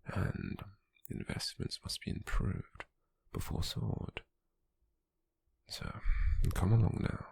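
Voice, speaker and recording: A British man playing a possessive, calculating, smug slave merchant in a hushed ASMR roleplay, with a husky, breathy, gravelly voice and a slow, deliberate delivery. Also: on the low side, fairly even intonation, heavily acted. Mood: cool, instructive. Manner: slow, deliberate, with lingering pauses.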